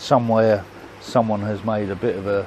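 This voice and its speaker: A man with an English accent speaks at a fairly slow pace in a fairly low pitch. Noticeable background noise sits behind him. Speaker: hobby vlogger. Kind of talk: casual vlog monologue. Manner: soft-spoken, struggles to speak loudly.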